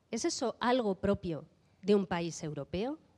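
A woman speaks with very wide pitch swings. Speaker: journalist. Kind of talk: talk at a public event. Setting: live event with audience.

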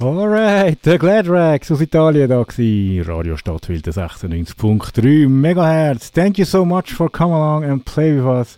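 A man with a Swiss German accent and a dark, mellow tone speaks at a moderate pace with very wide pitch swings, in a dry, close recording with no echo that is very clean with a silent background. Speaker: radio host. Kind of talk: radio interview. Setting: radio studio.

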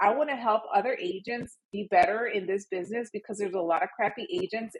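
With an American accent and an ordinary speaking voice, a woman talks at a fairly quick pace and fairly high pitch with ordinary pitch variation. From Los Angeles, US. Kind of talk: interview.

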